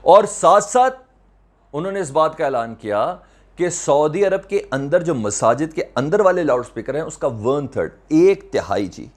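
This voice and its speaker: Animated and at a moderate pace, this man speaks in a voice on the high side while hosting a news commentary video channel. With his Pakistani accent, he delivers current affairs commentary emphatically, repeating phrases, asking rhetorical questions, and blending in English words.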